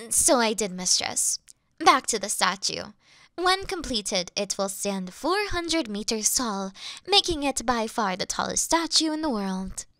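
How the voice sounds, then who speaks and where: High bright demon servant girl, woman doing the voice, fawning over her mistress, slow and dry. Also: very animated, no echo, heavily acted. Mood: adoring. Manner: worshipful, fawning, flustered giggles. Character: adoring devoted female demon servant. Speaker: voice actress in an audio roleplay. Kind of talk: scripted audio roleplay.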